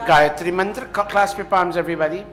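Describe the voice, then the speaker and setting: A man with a high voice leads a temple ceremony and directs the people gathered there. He gives his instructions live and mixes in jokes and apologetic asides, with faint music playing behind him. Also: steady tone, fast, a bit bright. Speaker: temple priest leading a ceremony.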